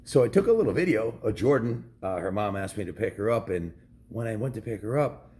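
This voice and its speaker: With a lowish, slightly mellow voice, lively intonation and a brisk pace, this middle-aged American man mixes casual home-vlog chatter with read-aloud storybook narration, acting as a dad hosting a video for kids.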